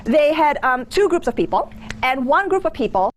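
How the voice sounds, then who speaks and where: A woman's voice: high-pitched, big pitch swings, moderate pace. A woman in her thirties with a mixed Singaporean and American accent, giving an informal, conversational lecture. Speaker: business school lecturer. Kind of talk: interactive lecture with anecdotes. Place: lecture theatre with audience. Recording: background noise of a lecture room.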